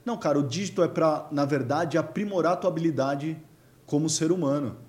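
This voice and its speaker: A man's voice: a little high, fairly quick. A man, explaining marketing in casual chat and acting out little dialogues as he goes. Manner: animated storyteller acting out dialogues.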